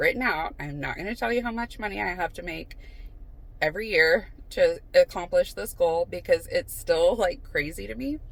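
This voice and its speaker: A woman's animated tone at a moderate pace. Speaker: lifestyle vlogger. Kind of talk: casual vlog monologue.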